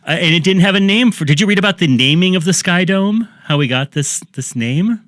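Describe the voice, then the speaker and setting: A man's voice: high-pitched, lively intonation, fairly quick, a bit bright, dry recording, studio quality. A man hosting a podcast, telling a story in casual chat with jokey asides. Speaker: podcast host.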